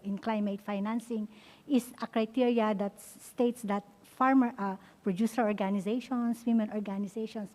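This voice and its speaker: A woman panelist with a mellow, dark tone who speaks directly and firmly. Her voice carries a long reverb. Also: medium pitch. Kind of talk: panel discussion remarks.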